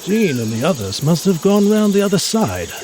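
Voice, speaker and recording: A man's voice: high-pitched, sing-song, moderate pace, dark tone, a little hiss or hum. A man playing an erudite, genial mutant scientist in an audio drama, speaking in a florid, pompous, theatrical manner with bookish words. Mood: jolly, encouraging. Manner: florid, pompous, bookish vocabulary with emphatic delivery. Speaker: scientist guide.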